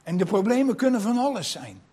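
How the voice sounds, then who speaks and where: A man's voice: high voice, sing-song, fast, dark tone, slightly rough. A man preaching a sermon in a reflective, personal way, asking his listeners rhetorical questions.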